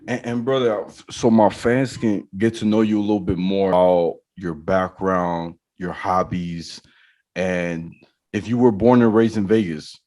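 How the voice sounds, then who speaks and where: Podcast host, adult man with a low voice, friendly and curious with his guest. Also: fairly even intonation, unhurried, a little mellow. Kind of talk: casual interview chat.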